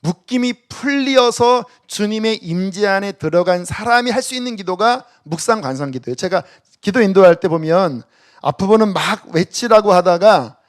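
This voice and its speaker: A man preaching at a church service shifts from loud urging to near-whispers and leads the congregation in reading scripture aloud. He speaks at a normal speed with an expressive voice that sits high.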